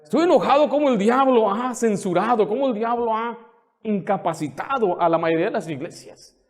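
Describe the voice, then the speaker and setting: A man with a notably high-pitched voice delivers a sermon as pastor. He preaches with fervor and indignation, pressing the congregation with one rhetorical question after another. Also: a little fast. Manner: indignant, scolding.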